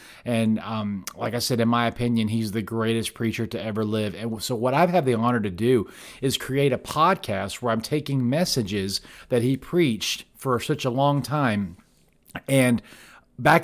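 This is an ordinary speaking voice at a moderate pace with ordinary pitch variation, in a very clean recording with a silent background. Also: man. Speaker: podcast host and church ministry worker. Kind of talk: casual monologue. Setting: office.

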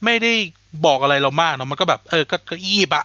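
Against a quiet background, a man with a high pitch speaks with lively intonation and a bright, sharp tone, the sound dry and close with no echo. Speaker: podcast host. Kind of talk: casual chat.

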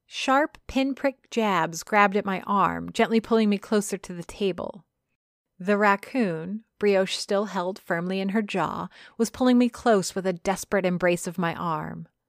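Woman's medium-pitched, dramatic voice at a fairly slow pace, ordinary pitch variation, dry, close sound with no echo, very clean recording and silent background. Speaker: audio drama narrator and producer. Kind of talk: scripted audio drama narration, first person. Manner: dramatic, suspenseful, storytelling delivery with tense pacing.

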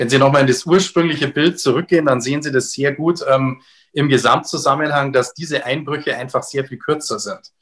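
A man speaks at a fairly quick pace in an ordinary speaking voice, his fairly high pitch held in fairly even intonation. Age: 40s. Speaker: fund manager. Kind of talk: interview. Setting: video call.

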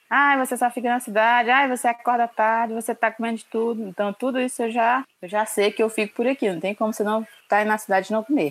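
A woman's fairly high-pitched voice at a very fast pace, in a very clean recording with a silent background. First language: Krahô (speaking Portuguese). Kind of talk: interview.

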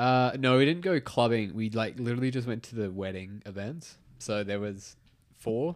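A man at a moderate pace with an Australian accent, medium in pitch, with ordinary pitch variation. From Perth, Western Australia. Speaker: podcaster. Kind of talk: casual chat.

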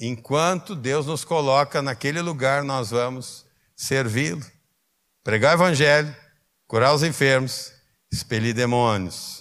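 In a southern Brazilian accent, a man speaks at a fairly high pitch and a fairly slow pace, with audible room echo. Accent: gaúcho Brazilian Portuguese. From southern Brazil, Porto Alegre area. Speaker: pastor. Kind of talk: sermon.

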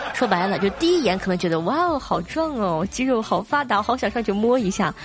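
With noticeable background noise behind her, a woman with a fairly high pitch speaks at a fairly quick pace, her pitch swinging very widely. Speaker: podcast host. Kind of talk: casual solo podcast talk. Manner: animated, playful with frequent laughter.

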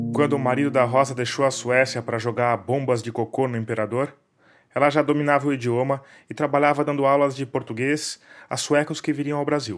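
At a fairly quick pace and with fairly even intonation, a normal speaking voice comes through on a very clean recording with a silent background. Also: man, medium pitch for a man. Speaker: podcast host and journalist. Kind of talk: scripted narration.

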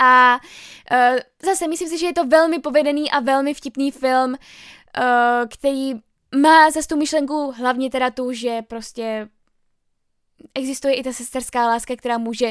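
A woman's high-pitched voice at a moderate pace, with ordinary pitch variation and a dry, close sound with no echo, on a very clean recording with a silent background. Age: 20s. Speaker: podcast host, journalism student. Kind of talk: casual solo monologue. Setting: at home in her room.

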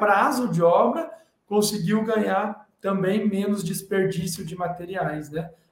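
With audible room echo, a man speaks at a fairly slow pace, his pitch high and its variation ordinary. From Brazil, Campinas (São Paulo state). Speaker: civil engineer. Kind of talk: interview.

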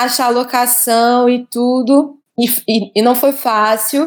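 This woman speaks with a high pitch. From Brazil, Goiânia (Goiás). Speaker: filmmaker. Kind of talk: interview.

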